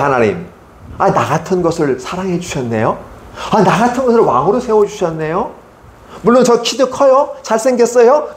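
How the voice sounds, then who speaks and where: A man's voice: fairly high pitch, reverberant, pitched above the performer's own voice. A man voicing a humble young king, shy and grateful, in an earnest, boyish pleading tone.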